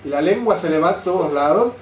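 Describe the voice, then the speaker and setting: An older man, a rabbi, giving a Torah class, lively and full of rhetorical questions. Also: high-pitched, quick pace. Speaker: rabbi teaching. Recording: roomy sound, mic at a distance, faint noise.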